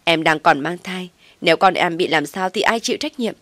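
A woman's voice: lowish voice, fairly quick, dry recording, lightly acted. A woman voicing a defiant pregnant daughter-in-law. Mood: indignant. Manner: sharp, argumentative.

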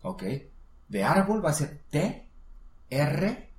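A man giving a casual one-on-one English lesson, patiently coaching and modelling words slowly. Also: on the high side, sing-song, echoey room. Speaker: English teacher.

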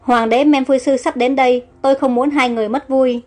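Fretful young queen, high and soft-spoken, read by a woman storyteller. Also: fairly even intonation, fairly quick, soft background music. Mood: anguished. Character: young queen, anxious and heartbroken.

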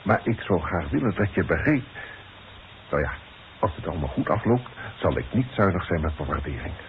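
A man's voice: low voice, expressive, fairly quick. A man acting an irritable, impatient Dutch company boss with a curt, pompous, commanding manner in a 1960s radio play. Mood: conciliatory. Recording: dull, hissy old radio broadcast recording.

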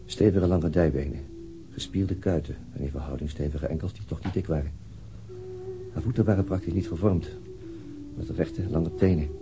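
An actor playing a weary, taciturn police detective in a radio drama, husky and terse in manner. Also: male voice, sits low, normal speed, pauses often, background noise. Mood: brooding. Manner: terse, subdued.

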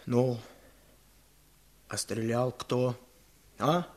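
A curt, stern villager. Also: male voice, mid-range voice, extremely slow. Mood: firm. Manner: curt, gruffly consoling. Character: stern village man, hard but softening. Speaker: Kuzma. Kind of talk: archival Soviet radio drama. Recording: noisy old radio recording.

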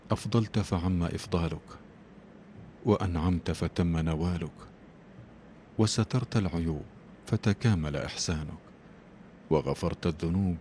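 A deep, mellow male voice presenting a prayer broadcast. He announces, then moves into a solemn supplication with a steady, rhythmic cadence. A faint hiss sits under him.

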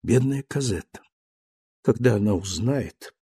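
A man voicing an earnest young husband who speaks softly, gently but firmly. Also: lowish voice, expressive, measured pace, husky, no room sound, clean studio sound, exaggerated voice. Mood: gentle, firm. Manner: soft, pleading, restrained.

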